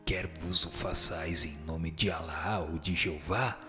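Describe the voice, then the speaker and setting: A man playing a grave, admonishing spirit teacher in a scripted audio drama, speaking in a solemn, measured, didactic way. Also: low voice, fairly even intonation, over music. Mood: solemn, instructive.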